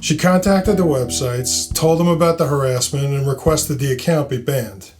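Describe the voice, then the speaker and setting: A man's voice: medium pitch, moderate pace, over music, pitched above the performer's own voice, close to an everyday voice. A man voicing a middle-aged New York police detective, a blunt smartass, in an audio fiction drama. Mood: concerned. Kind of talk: audio fiction character dialogue.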